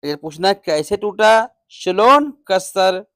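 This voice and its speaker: A man giving a beginner language lesson, saying every word twice and then explaining it. He speaks extremely slowly and deliberately. The recording is dry and close, with no room sound. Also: high voice, lively intonation, a bit bright, dry recording. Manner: repeats each word slowly and explains its meaning. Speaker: Arabic teacher.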